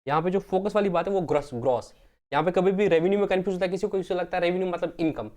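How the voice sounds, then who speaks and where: A man's voice: high voice, rapid-fire, a little mellow. A male accounting teacher giving a classroom lecture, repeating key terms and asking and answering his own questions while addressing students as friends. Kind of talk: classroom lecture, Hindi mixed with English terms.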